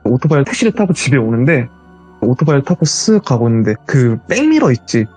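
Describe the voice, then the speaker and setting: A man telling his own ghost story as a guest, in a casual, animated retelling. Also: mid-range voice, a little fast, breathy edge, faint music behind.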